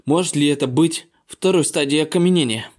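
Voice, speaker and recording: A coarse, hot-tempered old grandfather of a martial clan, as an audiobook narrator puts him on. He curses and shouts, his voice pushed slightly higher and with a rougher, altered tone. The storybook delivery stays gruff and volatile. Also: fairly quick, natural voice. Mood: agitated. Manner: coarse, swearing, shouting in disbelief.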